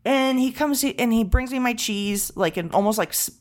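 A woman from Venezuela chatting casually on a podcast, telling an animated story and swearing freely, with Spanish phrases mixed in. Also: a little high, normal speed.

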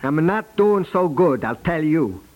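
An actor playing a stubborn, exasperated veteran house painter with blunt working-class speech in a 1950s radio comedy. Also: male voice, a little high, expressive, unhurried, narrow, tinny audio. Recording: vintage 1950s radio recording.

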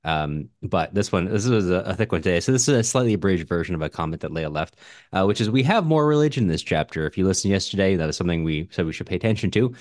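A man's voice: sits low, expressive, fast, a little mellow, no room sound, studio quality. A man co-hosting a podcast in a casual, conversational style, discussing books and listener comments. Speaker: podcast co-host.

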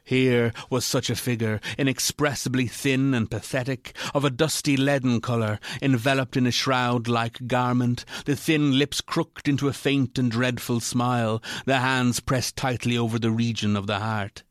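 A man narrating a literary ghost story in a measured, formal way. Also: mid-range voice, fairly even intonation, no room sound, studio quality, natural voice.

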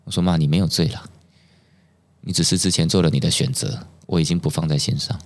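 Low-voiced Taiwanese man telling stories. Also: quick pace. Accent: Taiwanese Mandarin. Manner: animated storyteller who acts out quoted dialogue. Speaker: podcast guest. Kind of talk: personal storytelling in conversation.

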